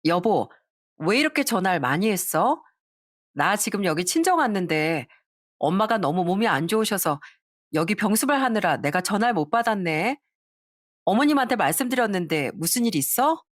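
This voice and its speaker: A woman's voice: medium pitch, big pitch swings, moderate pace, no echo, clean studio sound. A woman voicing a sly, defensive young wife with a sweet, evasive tone. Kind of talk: storytelling voice acting.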